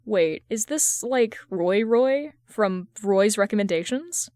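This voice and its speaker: A woman reading out the messages of excitable online fans in a story, gushing and slangy. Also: medium pitch, takes it slowly, no room sound, clean studio sound. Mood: teasing. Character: excitable online fans typing in a stream chat.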